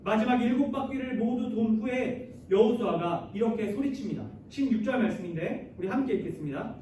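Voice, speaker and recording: A man's voice: high-pitched, a little fast, warm tone, distant mic. A man preaching a sermon as youth pastor, addressing the listeners often with questions and leading them in reading scripture aloud, recorded in a large church hall. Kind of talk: sermon to high school students. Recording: very echoey hall, voice heard from afar, faint noise.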